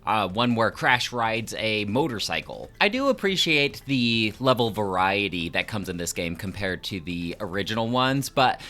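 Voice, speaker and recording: A man's voice: lowish voice, lively intonation, normal speed, few pauses, pushed and bright. A man giving a casual, conversational video game review with frequent fillers.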